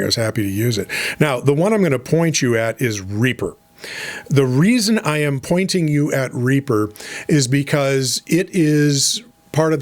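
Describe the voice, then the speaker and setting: Middle-aged male coach, conversational and direct, mid-pitched, easygoing delivery with frequent ums. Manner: conversational, frequent fillers and restarts; encouraging, direct advice. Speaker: voice over coach. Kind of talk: casual instructional talk.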